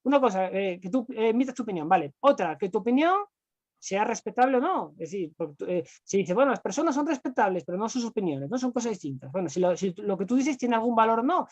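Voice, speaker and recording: A man talks quickly as a philosophy guest, stringing his points together with fillers and questioning tags. The sound is dry and a little dull and lo-fi, with no room around it. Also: high-pitched, animated, no echo. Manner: rapid, with frequent fillers and rhetorical tags. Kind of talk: conversational explanation.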